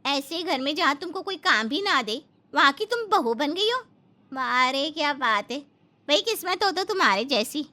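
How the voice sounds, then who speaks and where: A woman's voice: high-pitched, big pitch swings, moderate pace, exaggerated voice. A woman voicing a brash rustic young maid. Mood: teasing. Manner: loud, rustic, bantering. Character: brash, teasing young female housemaid friend. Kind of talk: Hindi cartoon voice acting.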